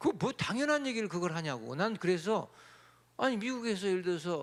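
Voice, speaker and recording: A man with very wide pitch swings, in a very clean recording with a silent background. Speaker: pastor. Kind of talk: sermon-style lecture. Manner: animated; casual.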